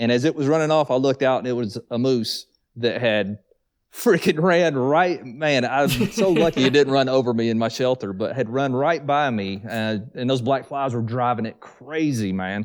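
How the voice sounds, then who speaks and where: This man speaks in a Southern US accent at a medium pitch. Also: ordinary pitch variation, moderate pace. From US South, north Georgia. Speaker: thru hiker and hiking YouTuber. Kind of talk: casual chat.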